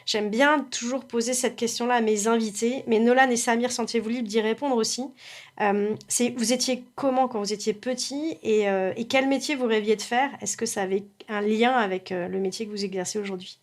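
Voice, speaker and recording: Chatty French podcast host, bright woman. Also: fairly high pitch, steady tone, a little fast. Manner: chatty, many fillers, addresses listener directly. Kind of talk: casual interview podcast.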